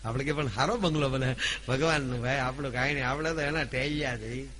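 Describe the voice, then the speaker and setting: A man, telling folk stories at a live gathering, declaiming loudly at his peaks and then dropping to a low, confiding tone. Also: brisk, slight background noise. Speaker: folk storyteller. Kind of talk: live folk storytelling (dayro).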